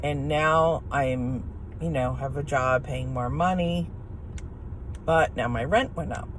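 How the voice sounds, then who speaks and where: A middle-aged woman with a hoarse voice, chatting frankly and rambling while she drives, easily irritated by other drivers. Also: very deep voice, takes it slowly. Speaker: vlogger. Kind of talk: casual chat while driving. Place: in a car while driving. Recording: car road noise behind.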